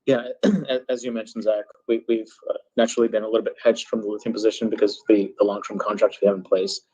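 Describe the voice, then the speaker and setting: A man's voice: fairly low pitch, flat delivery, fast, darkish tone, slightly rough. A man speaking as a company executive, giving an unscripted answer on an earnings call with muffled audio. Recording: muffled, band-limited conference call audio.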